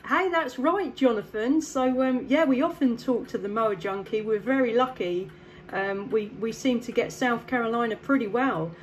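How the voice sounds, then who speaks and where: English woman radio operator, friendly, higher pitched voice. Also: normal speed, a little hiss or hum, poor audio. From south east England. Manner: friendly, upbeat, ends turns with "back to you". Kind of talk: casual radio chat.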